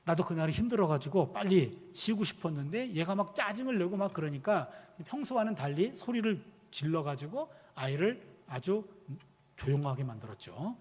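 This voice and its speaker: Middle-aged pastor guy telling family stories in a sermon, high voice that swings all over, church hall reverb. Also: breathy edge. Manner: animated storytelling, acting out quoted dialogue. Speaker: pastor and university professor. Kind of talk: sermon with personal anecdotes. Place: church sanctuary.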